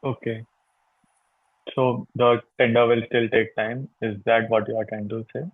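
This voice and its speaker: A man's voice: medium pitch, flat delivery, unhurried, dry recording. A man with an Indian accent on a phone call, asking probing questions as an analyst in a somewhat hesitant way. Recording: tinny narrow phone line.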